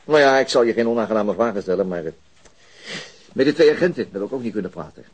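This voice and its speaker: Fast-talking, husky, frustrated police detective. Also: male voice, on the low side, animated. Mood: probing. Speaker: actor in a radio play. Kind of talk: Dutch radio drama acting, conversational.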